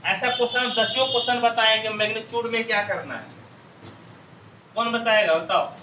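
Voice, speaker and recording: A maths teacher with a very high, sharp voice runs a call-and-response classroom lecture at a fairly quick pace, firing questions and having students shout the answers back while calling them babu and beta. The sound is dull and distant, with the echo of a roomy classroom and slight background noise.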